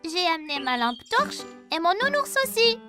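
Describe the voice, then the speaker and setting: A woman voicing a curious, excitable four-year-old boy in a dubbed children's cartoon. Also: very high-pitched, moderate pace, soft background music, heavily acted. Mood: cheerful.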